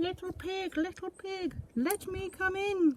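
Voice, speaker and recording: Here is a put-on character voice at an extremely high pitch. It moves at a fairly slow pace. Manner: wheedling, coaxing.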